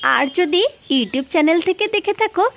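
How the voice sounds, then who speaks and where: A woman's voice: very high voice, expressive, normal speed, vocal fry. A woman narrating for children as the storyteller and host of a cartoon channel.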